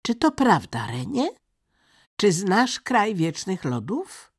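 A storyteller voicing a fierce, bossy young robber girl who talks loud and threatening, in a husky, creaky voice. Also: medium pitch, huge pitch swings, takes it slowly, voice pushed up, exaggerated voice.

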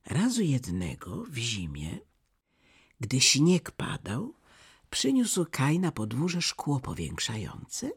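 A storyteller reading a fairy tale aloud, expressive and sometimes sinking to a near-whisper. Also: mid-range voice, slightly rough.

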